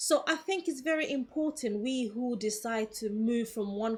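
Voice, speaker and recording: A woman speaks at a fairly high pitch with lively intonation. The recording is very clean, with a silent background. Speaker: talk show host. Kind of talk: casual chat. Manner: fast.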